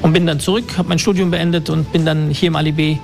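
A man's voice: a little high, level tone, fast, vocal fry, soft background music. A man from Germany, a resort manager, explaining things fluently with occasional hesitations in an interview. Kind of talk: interview answers. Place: holiday resort in Turkey.

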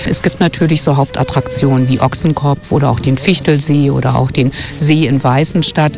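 A woman's voice: a bass voice, fairly even intonation, a little fast, creaky, over music. A woman from West Berlin, a radio journalist and travel guide author, explaining fluently and thoughtfully in a radio interview on a forest walk. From West Berlin, Germany. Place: outdoors on a winter forest walk.

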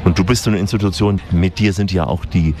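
A man's voice: low voice, steady tone, fast, dark tone, faint music behind. A man working as a field reporter, conducting a friendly, informal interview at an outdoor market. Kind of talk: casual on-location interview.

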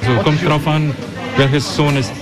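Slovenian-accented male tour guide, halting phrasing. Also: on the high side, fairly even intonation, crowd noise. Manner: simple, halting non-native phrasing. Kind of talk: spontaneous guided tour talk. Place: outdoor city market.

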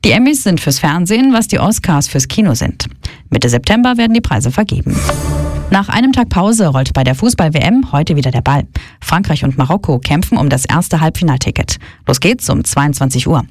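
Female newsreader, radio bulletin, lively pitch, dry sound. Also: brisk, no room sound, faint music behind.

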